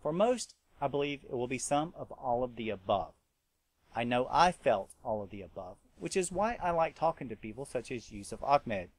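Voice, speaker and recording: A man hosting an interview show, reading a measured scripted introduction and then questioning a guest. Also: mid-range voice, expressive, no echo. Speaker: host.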